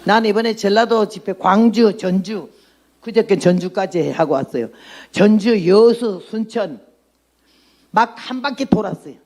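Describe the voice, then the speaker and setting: Gravelly-voiced woman in her nineties preaching. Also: medium pitch, measured pace, mellow. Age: 90s. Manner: blunt, outspoken, laughs at her own jokes, asks the audience questions. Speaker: missionary preacher. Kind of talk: sermon and testimony to a congregation.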